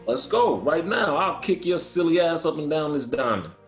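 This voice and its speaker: An actor playing a proud, composed and fiercely competitive Black baseball player who tells his own story in a measured, earnest way at a table read. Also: fairly high pitch, big pitch swings, vocal fry, reverberant, faint music behind. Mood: angry, shouting. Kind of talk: dramatic first-person script reading.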